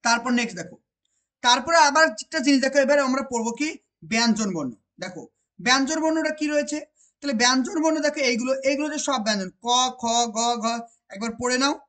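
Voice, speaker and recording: A woman teacher with a West Bengal accent leads an exam-prep grammar lesson. She drills each point more than once, slows down to stress key phrases, and keeps checking with rhetorical questions. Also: sits high, fairly bright tone.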